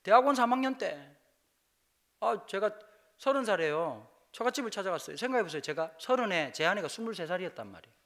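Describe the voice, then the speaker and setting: A man's voice: high-pitched, fast talker. A man from Busan with a Gyeongsang accent, a pastor telling funny personal stories in a revival sermon and acting out dialogue in dialect. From Busan, South Korea. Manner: lively, jokey, acts out dialogue in dialect. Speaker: guest pastor preaching a revival service. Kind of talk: humorous storytelling sermon. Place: church sanctuary.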